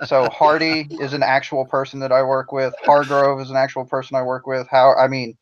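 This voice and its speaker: A man's voice: medium pitch, little pitch movement, fairly quick, a little hiss or hum. Writer guy chatting on a podcast, kinda muffled lo-fi sound. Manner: chatty, telling anecdotes with a laugh. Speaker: writer guest. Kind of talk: casual podcast discussion. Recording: dull lo-fi remote audio.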